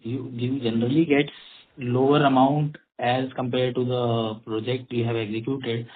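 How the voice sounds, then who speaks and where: An Indian-accented man, a company executive, explaining in a halting way as he answers questions on an earnings call. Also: medium pitch, level tone. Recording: tinny phone line with clicks and noise.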